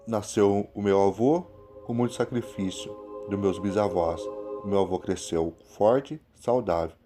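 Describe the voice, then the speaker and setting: A Brazilian man with a plain, unpolished delivery, speaking as a channel host and story narrator. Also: fairly low pitch. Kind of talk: scripted narration. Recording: music behind the voice. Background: prominent music.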